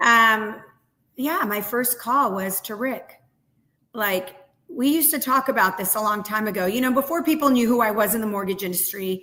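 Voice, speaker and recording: At a moderate pace, a woman uses a normal speaking voice with lively intonation and a fairly high pitch. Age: 60s. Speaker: mortgage company executive. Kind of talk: interview.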